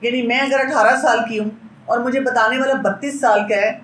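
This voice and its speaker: A woman's voice: a little high, steady tone, fairly bright tone, roomy sound, poor audio. Earnest Pakistani woman giving a parenting talk. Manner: earnest, advising, mixes English words into her speech. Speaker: pediatrician and parenting speaker. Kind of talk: Islamic parenting lecture.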